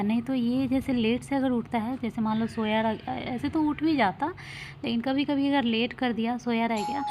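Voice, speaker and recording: A woman's voice: a little high, a little mellow, a little hiss or hum. A woman in her thirties, a mother chatting casually in a daily home vlog, rambling with lots of fillers. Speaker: vlogger, mother.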